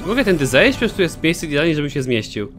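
Animated young guy narrating a let's play, swears a lot, bouncy pitch, game music low behind. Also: fast. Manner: animated, swears a lot, jokey self-talk. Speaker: gaming channel host.

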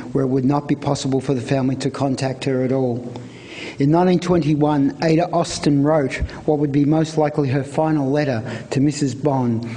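A man reading a prepared script of historical letters aloud at a live event in a measured way. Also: a little high, mellow.

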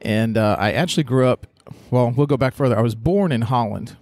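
A middle-aged man, raised in England, telling stories as a podcast guest in a relaxed, chatty way. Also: mid-range voice, fairly quick, dry recording. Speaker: guest, real estate agent. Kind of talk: podcast interview.

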